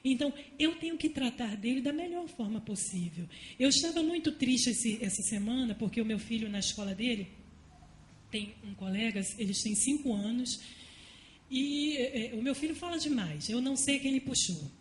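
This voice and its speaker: A woman giving a fervent sermon at a women's church service, mixing homely stories with loud appeals. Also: on the high side, animated, normal speed. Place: church hall. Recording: echoey church room, faint noise.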